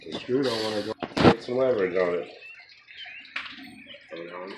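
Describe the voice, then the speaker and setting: Low-voiced man narrating garage DIY. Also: moderate pace. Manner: offhand, talks to himself while drilling. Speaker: DIY video host. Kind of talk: casual how-to narration while working. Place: home garage and driveway, outdoors. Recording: noisy outdoor camera audio.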